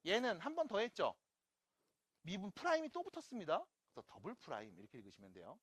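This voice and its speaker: Lively math teacher, checking in often. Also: mid-range voice, fast talker, slightly rough, no room sound. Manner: keeps checking in with rhetorical questions; playful asides to the viewers. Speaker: math lecturer. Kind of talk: online math lecture.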